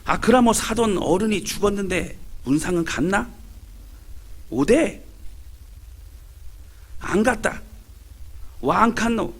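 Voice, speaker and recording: A man voicing old countrywomen gossiping in a put-on Gyeongsang dialect, slow and exclaiming. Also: sits high, lively intonation, exaggerated voice.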